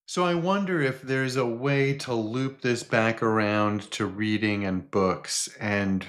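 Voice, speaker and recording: A man's voice: on the low side, slow, fairly bright tone. A man co-hosting a podcast in casual conversation, hesitant, with many fillers and restarts. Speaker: podcast co-host.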